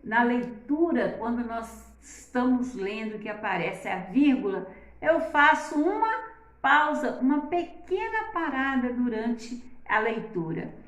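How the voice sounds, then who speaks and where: A woman, teaching a class and speaking in a slow, deliberate way, exaggerating the intonation of her examples and often adding "né?". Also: fairly high pitch, animated, fairly bright tone, echoey room.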